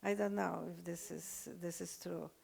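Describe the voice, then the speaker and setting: An older woman with a Polish accent, lecturing unscripted, halting often with fillers and restarts. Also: fairly low pitch, steady tone, creaky, darkish tone, breathy edge. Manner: hesitant, many fillers and restarts.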